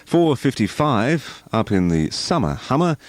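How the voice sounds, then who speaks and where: A man's voice: medium pitch, big pitch swings, measured pace, no echo. An Australian man presenting music and promotions as a 1980s radio DJ.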